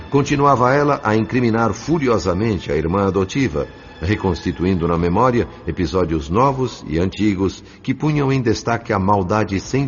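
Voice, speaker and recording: A man playing a compassionate, grave spirit guide, narrating a Brazilian radio drama in a solemn, formal manner. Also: sits low. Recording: slightly muffled, music underneath.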